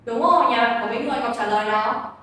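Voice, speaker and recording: A woman teaching a Chinese class online, drilling pronunciation and gently correcting students. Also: fairly high pitch, racing. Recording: echoey, far from the mic.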